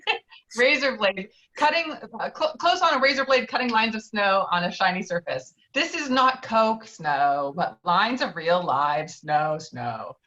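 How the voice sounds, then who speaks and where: A woman's voice: mid-range voice, lively intonation, measured pace, sharp tone. A woman reading stage directions as the narrator of a virtual table read. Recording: dull, lo-fi online call.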